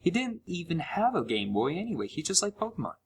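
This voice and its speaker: A man's voice: fairly high pitch, sing-song, fast talker. A man playing a sarcastic, curious young gamer, narrating a first-person horror story in a wry, conversational way. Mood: nostalgic, mildly eager. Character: sarcastic, curious young male gamer recounting a creepy found game.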